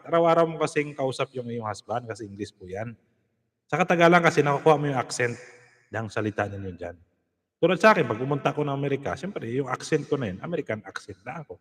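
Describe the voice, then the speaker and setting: A man hosting a casual live stream, reading out viewer comments and giving shout-outs, laughing often. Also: mid-range voice, in a large hall. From Philippines.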